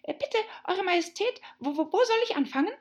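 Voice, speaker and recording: A woman's voice: extremely high pitch, animated, fairly quick, pitched above the performer's own voice. A woman voicing a nervous male white rabbit who stammers and fusses in a storybook reading. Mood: anxious. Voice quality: stammering, flustered.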